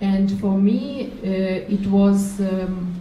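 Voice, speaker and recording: With noticeable background noise and audible room echo, a woman speaks at a medium pitch. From western Ukraine, Ivano-Frankivsk. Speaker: writer. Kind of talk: public talk at literary event. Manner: halting.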